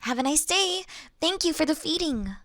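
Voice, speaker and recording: A woman's voice: high-pitched, animated, a bit bright, no echo, clean studio sound. A woman voicing a kind, playful female vampire who reassures and teases politely in an intimate roleplay audio drama. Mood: playful, friendly. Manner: soothing, polite, teasing, unhurried.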